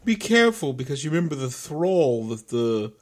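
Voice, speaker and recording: Lively, goofy tabletop player. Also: male voice, fairly high pitch, normal speed. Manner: playful, goofy in-character declarations. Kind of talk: tabletop game banter.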